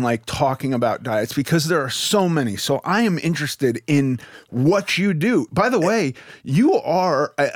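Chatty podcast host, dry close mic. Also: male voice, fairly high pitch, no room sound. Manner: friendly, chatty, restarts often. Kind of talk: casual podcast interview.

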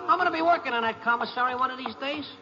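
An actor playing a cocky, easily panicked convict with slangy American talk in a 1950s radio drama. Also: male voice, extremely high pitch, rapid-fire. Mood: cocky, boastful. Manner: slangy, folksy tough-guy talk. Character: cocky convict turning panicky, fearful of a rival inmate. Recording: dull, noisy old radio recording.

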